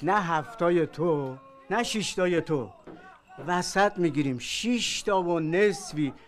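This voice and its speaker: An actor playing a calm older male stranger with a white beard who settles a quarrel in measured, pious words. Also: on the high side, natural voice. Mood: mediating. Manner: measured, soothing, pious phrasing.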